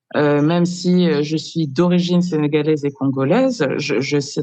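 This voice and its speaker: Her voice has a dark, mellow tone, as a woman speaks with a very deep, low pitch. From France, Paris region. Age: 40s. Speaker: spiritual guide, ancestry expert. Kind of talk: podcast interview. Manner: halting, many hesitations.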